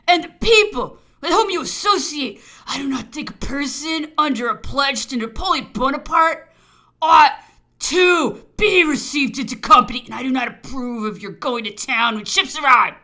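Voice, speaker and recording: A woman's voice: mid-range voice, fast, gravelly, fairly bright tone, husky, exaggerated voice. A woman voicing an angry, menacing, domineering British colonial governor in a dramatized memoir audiobook, imperious and accusatory. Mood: sneering contempt.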